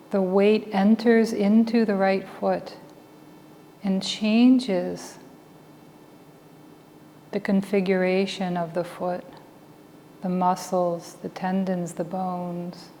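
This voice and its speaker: Slow, soft-toned woman guiding meditation in reverb. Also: medium pitch. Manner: calm, deliberate, with long pauses between short phrases. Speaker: meditation teacher and Buddhist chaplain. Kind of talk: guided meditation instruction. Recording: reverberant hall with faint background noise.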